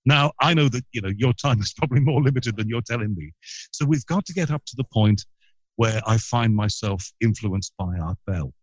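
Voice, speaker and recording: A middle-aged radio broadcaster from Liverpool with a trained neutral English accent tells long, rambling stories with plenty of asides in a guest interview. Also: male voice, mid-range voice, expressive, normal speed, no echo, low-quality recording. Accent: neutral southern English broadcast accent. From Liverpool, England. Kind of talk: anecdotal interview storytelling.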